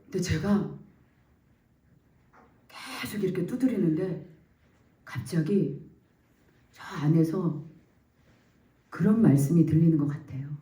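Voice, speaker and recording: A woman in her forties giving a heartfelt church testimony, telling her story with lively acted-out quotes. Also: on the low side, slow pace, pauses often. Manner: animated storytelling, acts out quotes, laughs and nearly cries. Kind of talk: emotional testimony. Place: church sanctuary. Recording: echoey church room, mic at a distance.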